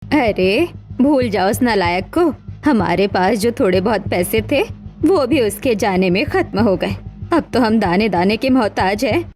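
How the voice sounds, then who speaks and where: A woman's voice: mid-range voice, expressive, a little slow, a little mellow, faint music behind, close to an everyday voice. A woman voicing a poor older mother-in-law in a cartoon story, blunt and scolding. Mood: bitter.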